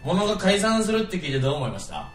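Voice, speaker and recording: A man co-hosting a casual web radio show. He runs the game briskly and laughs often. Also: sits high, big pitch swings, far from the mic, loud music behind the voice. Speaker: co-host. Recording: roomy sound from off mic.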